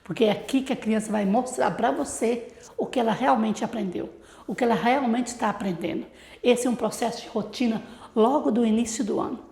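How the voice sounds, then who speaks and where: Brief: Brazilian woman teacher, higher voice, talks teachers through a method with rhetorical questions, echoey room. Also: fairly quick, vocal fry, dark tone. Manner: explanatory, with rhetorical questions to the audience. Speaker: literacy teacher.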